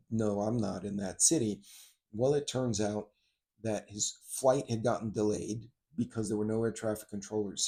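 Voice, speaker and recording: A man's voice: fairly low pitch, mellow. A middle-aged man hosting a casual vlog, talking in a rambling, conversational way with frequent asides and practical advice. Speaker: host of a preparedness and travel channel.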